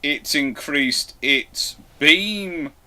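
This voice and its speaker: A man hosting a live question and answer stream in a casual way, halting as he thinks aloud. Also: a little high, expressive, sharp tone.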